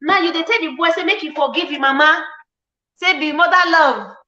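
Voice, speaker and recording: A woman with a Nigerian accent hosts a casual live chat in a lively, teasing way. Her voice is high and bright. The sound is roomy and lo-fi. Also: a little fast. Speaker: talk show host.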